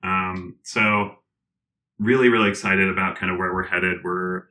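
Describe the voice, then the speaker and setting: Interview guest, male, low but bright tone, talks loosely with fillers and laughs. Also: measured pace. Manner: animated, rambling with fillers and restarts; laughs often. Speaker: interview guest, tech founder. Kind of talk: casual conversational interview.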